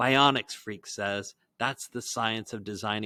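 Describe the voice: Against a quiet background, the speech is plain reading aloud.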